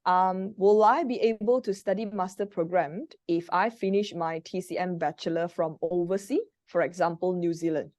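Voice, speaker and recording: A woman's voice: on the low side, normal speed, few pauses, darkish tone, no echo, clean studio sound. A woman with a Malaysian accent, Mandarin as her first language, hosting a live question-and-answer talk with frequent hesitant fillers. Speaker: moderator and practitioner.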